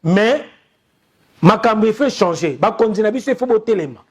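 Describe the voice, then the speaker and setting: A man's voice: high voice, animated, normal speed, husky. A young man from Congo with a Congolese accent, giving an impassioned online TV commentary full of repeated, rallying appeals to his listeners. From Democratic Republic of the Congo. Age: young adult.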